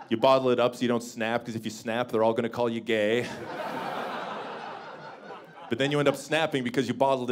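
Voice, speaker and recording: Deep-voiced man doing stand-up on a club stage. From Canada. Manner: wry, self-mocking delivery with bursts of mock bluster. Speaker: stand-up comedian. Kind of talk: stand-up comedy set. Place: small comedy club stage with a seated audience. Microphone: handheld stage microphone.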